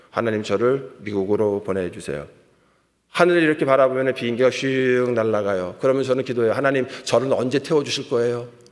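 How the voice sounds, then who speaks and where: Lively, bouncing intonation at a fairly quick clip, with audible room echo. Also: man. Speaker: pastor. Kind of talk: sermon. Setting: church revival service.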